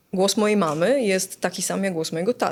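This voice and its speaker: A woman's medium-pitched voice races along at a very fast pace. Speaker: business coach and executive. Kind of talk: interview.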